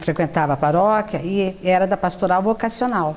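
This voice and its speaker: Noticeable background noise runs through the clip. A woman speaks at a medium pitch. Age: 60s. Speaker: parish secretary. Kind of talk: interview. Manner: halting.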